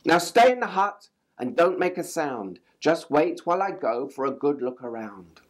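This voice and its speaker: A fussy mother hen, as a man puts her on, fusses over her chicks in a raised, clucking voice. She sounds bossy and fretful, with lively rises and falls. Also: on the high side, moderate pace. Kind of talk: picture-book read-aloud.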